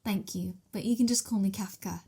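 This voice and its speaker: A woman's voice: medium pitch, brisk, vocal fry, mellow, breathy edge. A woman playing a sweet, hungry young vampire mistress in an ASMR roleplay, talking in a casual, playful, giggly way. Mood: playful, friendly.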